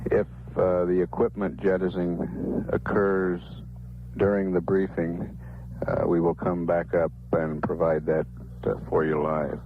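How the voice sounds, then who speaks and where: An American man making official mission status announcements in a halting, measured, matter-of-fact way. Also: sits low, flat delivery. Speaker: mission control public affairs announcer. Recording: narrow-band archival broadcast with faint hiss.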